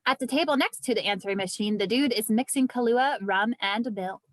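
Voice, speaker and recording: A woman's voice: on the high side, a little fast. A woman narrating the stage directions of a script at a table read.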